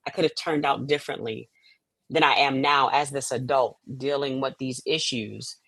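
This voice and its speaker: A woman's voice: rumbling low, fairly even intonation, normal speed, a bit bright, no room sound. A middle-aged American woman answering interview questions as a guest in a reflective, explanatory way, often checking that she is understood. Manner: reflective, explanatory, often checks with "you know what I mean". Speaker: guest, playwright and stage director.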